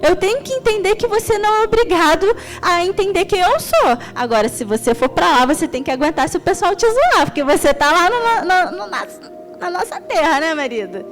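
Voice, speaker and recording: A young woman from Rio de Janeiro with a Carioca accent, preaching an extroverted, animated sermon as a church deaconess. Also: very high voice, fairly quick, soft background music. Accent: Carioca Portuguese. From Rio de Janeiro, Brazil. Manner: extroverted, animated storytelling with laughter.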